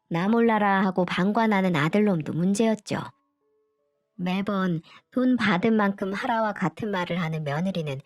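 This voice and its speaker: A woman narrating a first-person story in a steady, plainly read way. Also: medium pitch, no room sound, clean studio sound. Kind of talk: scripted story reading.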